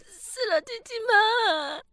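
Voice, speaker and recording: A woman's voice: animated, drawn-out words, pushed and bright, dry recording, clean studio sound, heavily acted. A woman voicing a frightened little boy who sobs and begs his mother to stop crying. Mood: terrified pleading. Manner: high, sobbing, pleading.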